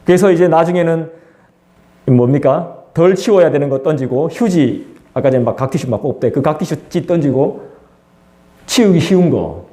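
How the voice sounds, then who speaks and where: A man's voice: fairly high pitch, warm tone. A man preaching a sermon as pastor, in a conversational way that acts out the voices of people he quotes. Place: church sanctuary. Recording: echoey church room.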